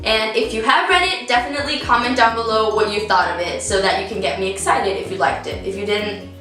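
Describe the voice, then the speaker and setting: Bright, high-voiced teen girl with an Italian accent. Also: fairly quick. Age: teens. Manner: chatty, bubbly, addresses viewers directly. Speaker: book vlogger. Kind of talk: casual book haul chat. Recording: echoey room, distant mic, faint music.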